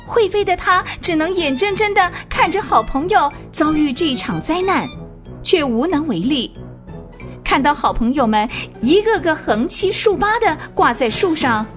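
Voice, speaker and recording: A woman narrating a children's radio drama in an expressive storytelling manner. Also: high-pitched.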